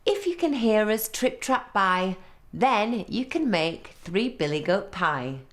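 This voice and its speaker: A woman's voice: medium pitch, big pitch swings, takes it slowly, voice pushed up. A woman voicing a kindly mother goat from a children's storybook, politely reciting her written notes. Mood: coaxing, firm.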